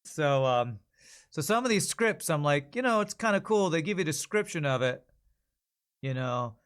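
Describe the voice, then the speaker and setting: A man with a fairly high voice hosts a livestream in a casual, conversational style. He rambles and thinks out loud, working his way through each thought as he talks. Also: lively intonation, normal speed, clean tone. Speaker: livestream host.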